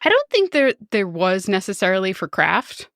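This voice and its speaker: A woman co-hosting a podcast, talking in a thoughtful, measured way in casual chat. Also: mid-range voice, big pitch swings, a bit bright, no echo, studio quality. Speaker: podcast co-host and player.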